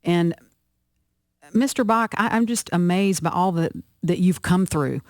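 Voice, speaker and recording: A male radio co-host asks his guest earnest, emphatic questions. His voice sits high. The studio sound is dry. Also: measured pace, dry recording. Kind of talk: radio interview.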